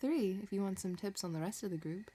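A woman playing a possessive, scheming villain in a romantic audio roleplay, talking in a soft, teasing, calculating way. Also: mid-range voice, lively intonation, fast, slight background noise, lightly acted. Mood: wary, impatient. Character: possessive, scheming female villain obsessed with her crush.

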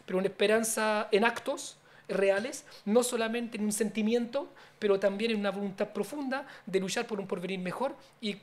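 A middle-aged man, born in Chile and raised in France, speaking as a politician guest in a studio interview, earnest and explanatory with many fillers and restarts, into a boom-mounted studio mic. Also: fairly quick. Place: small TV-radio studio. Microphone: studio mic on boom arm.

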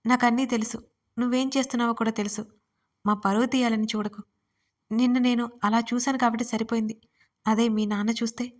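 A woman voicing a stern middle-aged mother who speaks in a sharp, reproachful way. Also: a little high, little pitch movement, brisk, pauses often, close to an everyday voice. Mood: scolding.

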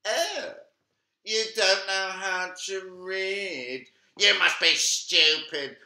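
A man voicing Little Red Riding Hood as a bratty, tattling young girl with a high, loud, sing-song voice. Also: lively intonation, very slow, roomy sound, full character voice.

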